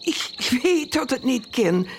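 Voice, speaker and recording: A woman's voice: high-pitched, sing-song, unhurried, full character voice. An actress playing a confused, affectionate old grandmother who is easily upset, with a Maastricht Limburgish accent, in an audio drama. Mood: fond, confused. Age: older. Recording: clearly noisy background.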